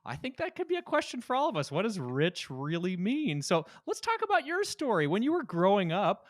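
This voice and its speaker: A man's voice: high voice, wildly swooping pitch, fairly quick, no room sound. A man hosting a podcast, introducing his guest and asking questions in an upbeat, friendly way. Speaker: podcast host.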